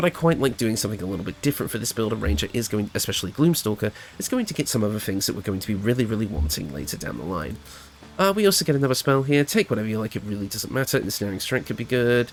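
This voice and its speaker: Talking at a very fast pace, a man with a fairly low pitch comes through noticeable background noise. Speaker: gaming build guide creator. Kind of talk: game tutorial narration.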